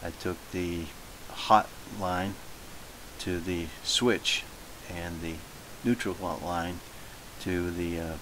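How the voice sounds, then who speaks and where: A man giving a casual, halting how-to narration of his own hobby repair, thinking aloud as he goes. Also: low voice. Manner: halting, thinking aloud with self-posed questions. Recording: hissy home recording, steady noise.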